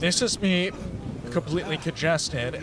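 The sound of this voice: A nasal, put-on character voice moves at a moderate pace over noticeable background noise. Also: man, high pitch for a man.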